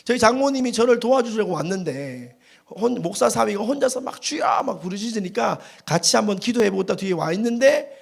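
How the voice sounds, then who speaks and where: High, gravelly animated male preacher. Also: a little fast. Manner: animated storytelling with dramatic acted quotes. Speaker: pastor. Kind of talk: revival sermon.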